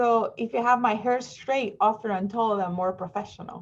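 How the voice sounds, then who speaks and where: With a Spanish accent, the speaker keeps a moderate pace and ordinary pitch variation. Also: woman. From Mexico. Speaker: physician and oncologist. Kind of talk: lecture.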